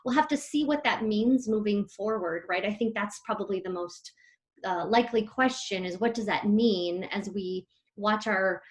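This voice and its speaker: A woman's voice: medium pitch, moderate pace. A woman business executive answering interview questions over a remote call from home, friendly and upbeat with some fillers.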